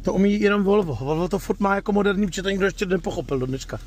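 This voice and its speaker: A man with a high, darkish voice hosts a casual car review vlog. He strolls around a car at a used car lot outdoors before talking from inside during a test drive, staying chatty and adding "jo" to his sentences.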